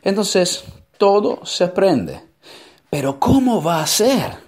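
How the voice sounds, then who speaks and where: A man's voice: high-pitched, big pitch swings, slow pace, a little mellow. A man with an Italian accent, a native Italian speaker, giving an emphatic motivational talk full of rhetorical questions.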